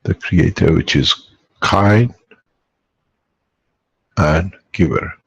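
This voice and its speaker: A low-pitched man with a gravelly, husky voice talks in a dry, close sound. He speaks in long, rambling stretches and cuts into the caller's replies. His tone is insistent as he lectures. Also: drawn-out words, dry recording, dull audio. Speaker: workshop speaker answering callers. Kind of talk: spiritual talk and Q&A.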